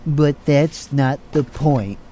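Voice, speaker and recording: A man playing a stern, condescending hospital chief of staff in an audio drama, formal and measured. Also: on the high side, dark tone. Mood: stern, dismissive.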